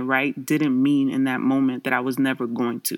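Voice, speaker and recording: A woman with a New York accent talks in a very deep, low voice at a moderate pace. The recording is very clean, with a silent background. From Bronx, New York; Honduran Garifuna family. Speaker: podcast host. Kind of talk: casual solo podcast monologue.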